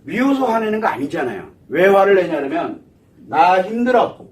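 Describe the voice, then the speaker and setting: Animated man lecturing from a distance. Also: high-pitched, brisk. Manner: asks the audience questions and answers them himself. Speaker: psychology lecturer. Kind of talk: lecture to an audience. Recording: voice somewhat far from the mic.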